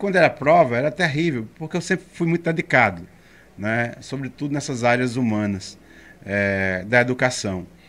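Very wide pitch swings on a very clean recording with a silent background. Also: man, medium pitch for a man, moderate pace. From Brazil, Pernambuco sertão (Arcoverde). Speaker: writer, poet and theatre artist. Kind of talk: interview, life story.

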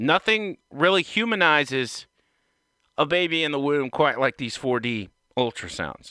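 In a very clean, dry, close recording with a silent background and no echo, a man speaks with a Southern US accent. His fairly high, bright, sharp voice moves at a fairly slow pace with lively intonation. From Alabama, US South. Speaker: podcast host. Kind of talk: political commentary monologue.

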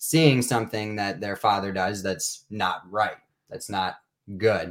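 Speaking at a moderate pace in a normal speaking voice, a man has a fairly low pitch and fairly even intonation. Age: 20s. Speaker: podcast host. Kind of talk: casual chat. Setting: studio.

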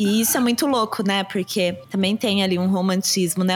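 Over music in the background, a woman speaks at a moderate pace and a medium pitch. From Campinas, São Paulo state, Brazil. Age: 40s. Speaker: journalist and coffee business founder. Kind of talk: casual chat.

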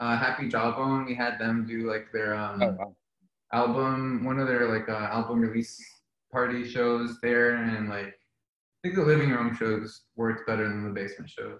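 Using an ordinary speaking voice, a man with an American accent talks at a medium pitch and a moderate pace with fairly even intonation. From Miami, Florida. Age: 30s. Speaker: musician. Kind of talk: casual chat.

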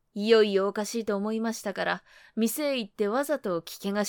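An unforced reading voice rises and falls with ordinary pitch variation.

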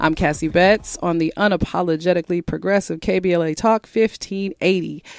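With an American accent and an ordinary speaking voice, this woman talks at a fairly quick pace with hardly any pauses, her fairly low pitch and fairly even intonation captured in a dry, close sound with no echo on a very clean recording with a silent background. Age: 40s. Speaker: radio talk show host. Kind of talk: casual radio talk show. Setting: radio studio.

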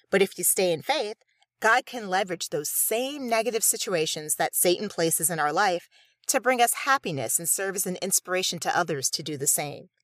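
A woman's voice shows very wide pitch swings in a dry, close sound with no echo, on a very clean recording with a silent background. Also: medium pitch for a woman, fairly quick pace. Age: 40s. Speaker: podcast host. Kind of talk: solo podcast monologue. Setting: home recording studio. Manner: casual, conversational with laughs.

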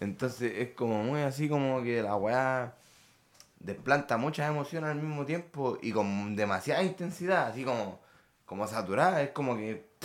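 With a Chilean accent, a man speaks at a medium pitch and a moderate pace, his intonation lively. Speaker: trap musician. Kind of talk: casual chat. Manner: outgoing.

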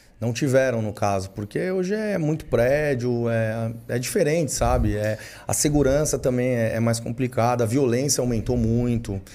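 With a São Paulo accent, a man speaks at a medium pitch in a dark, mellow tone, hardly pausing at all. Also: ordinary pitch variation, moderate pace. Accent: Paulistano Brazilian Portuguese. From São Paulo, Zona Norte. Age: 30s. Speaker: bodybuilder. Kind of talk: casual interview.

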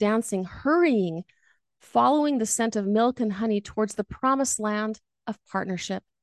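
A woman has an unremarkable speaking voice at a fairly high pitch, with ordinary pitch variation. The sound is dry and close with no echo, over a quiet background. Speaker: podcast host. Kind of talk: poem reading aloud, performed. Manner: measured, expressive, slow and heartfelt delivery; warm, conversational.

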